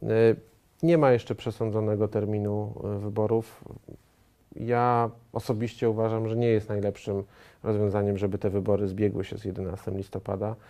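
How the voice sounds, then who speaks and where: A man in his thirties, a studio guest answering interview questions in a measured way, with frequent hesitations and restarts. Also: on the low side, level tone, mellow. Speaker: studio guest, member of parliament. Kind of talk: political TV interview. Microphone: lapel mic.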